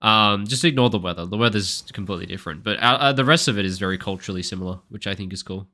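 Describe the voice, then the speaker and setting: A man's voice: lowish voice, rapid-fire, pushed and bright. A young man with an Australian accent chatting casually with his stream chat while explaining his game picks as a coach. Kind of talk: live game-stream commentary.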